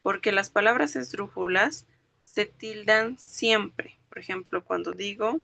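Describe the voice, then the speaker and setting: Explaining language rules step by step in an online lecture, a woman spells words syllable by syllable and checks comprehension with frequent questions. Her voice is mid-range, creaky, pushed and bright, moving at a measured pace with a little hiss or hum behind it.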